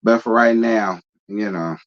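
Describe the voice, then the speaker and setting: A man's voice: on the low side, measured pace, highs cut off. Sassy drawling man on a live chat. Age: 30s. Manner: sassy, drawling, laughs often. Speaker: host reading live chat. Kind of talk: casual live-stream chat.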